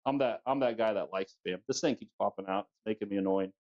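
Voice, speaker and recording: A man's voice: fairly low pitch, fast, lo-fi sound. A man hosting a casual livestream while tinkering, with a jokey manner and frequent easy laughter. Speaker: livestream host. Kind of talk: casual chat while working on bikes. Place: basement room at home.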